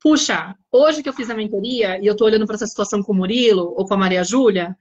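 A woman's voice: mid-range voice, quick pace, a little mellow, breathy edge, highs cut off. A woman hosting a live chat, telling a family story with lots of quoted dialogue. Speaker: host.

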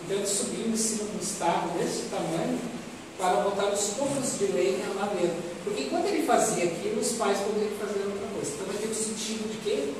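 A man's voice: sits high, fast. Man, Brazilian accent, spiritist lecturer, didactic, repetitive phrasing, far from the microphone, very noisy recording. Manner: didactic, repeats phrases, asks rhetorical questions. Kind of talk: expository religious lecture to an audience. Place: medium-sized meeting room, indoors. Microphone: distant audience camera. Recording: echoey hall, distant microphone, loud noise.

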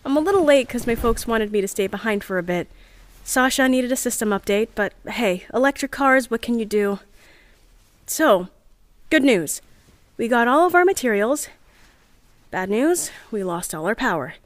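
An actress playing an eager, nervous young rocket chemist who talks in chatty, earnest asides in an audio drama diary. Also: female voice, on the high side, expressive, moderate pace, no echo, natural voice. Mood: upbeat, chatty.

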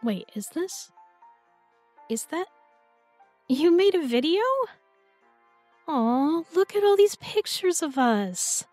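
Woman acting as affectionate young girlfriend, slightly high voice, playful and coaxing, intimate audio roleplay, dry recording. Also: big pitch swings, takes it slowly, pauses often, darkish tone, no room sound, faint music behind, full character voice. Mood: amused, touched. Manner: playful, tender, coaxing, giggly.

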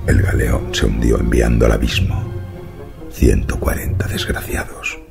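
A man narrating a horror audiobook in a gravelly voice, with slow, ominous, dramatic delivery. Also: very deep voice, huge pitch swings, music in the background.

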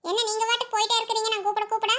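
Cartoon wife, young and argumentative, Kongu accent, squeaky-high and quick; a woman voices her. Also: level tone, pushed and bright. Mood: chatty. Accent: Kongu Tamil. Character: chatty young village wife, quick to argue. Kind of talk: cartoon voice acting.

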